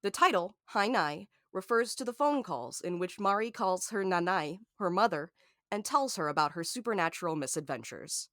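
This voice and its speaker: A woman narrates a podcast promo from a script. Her pitch is a little low. The recording is close and dry, with no room sound. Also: expressive, moderate pace, fairly bright tone, dry recording.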